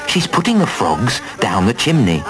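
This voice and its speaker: A British man tells a children's cartoon story with hugely varied, swooping pitch. His delivery is playful and full of exclamations, as if chatting straight to small children. Prominent music plays behind his voice. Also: huge pitch swings, normal speed, rough recording. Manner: exclamatory, playful, talking directly to young viewers. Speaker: narrator.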